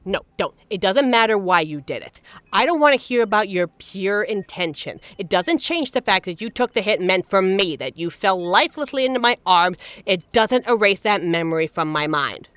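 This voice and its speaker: A woman's voice: medium pitch, lively intonation, moderate pace, a bit bright, smooth, no echo, lightly acted. A woman playing a fiercely protective secret agent in an emotional, emphatic dramatic audio roleplay. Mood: anguished, frustrated. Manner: emotional, scolding, emphatic, swearing. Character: normally suave female secret agent, fiercely protective, angry and anguished. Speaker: voice actor in a scripted audio roleplay.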